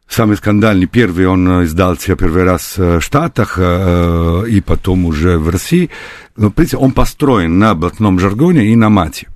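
Low-voiced man, halting. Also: a little mellow, no echo. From Italy. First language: Italian. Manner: hesitant, many pauses and fillers. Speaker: guest, translator. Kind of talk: casual radio interview.

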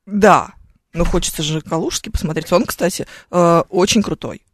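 A woman's voice: lowish voice, normal speed, slight background noise. A woman co-hosting a radio morning show, telling travel stories in a chatty, ironic way into a studio microphone. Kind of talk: casual on-air chat.

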